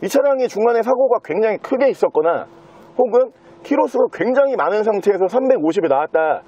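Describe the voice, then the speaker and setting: A man with a very high-pitched voice presents a used car as its dealer. He delivers a fluent sales patter, moving through the walkaround like a practised car salesman. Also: animated, fast, mellow, husky, highs cut off.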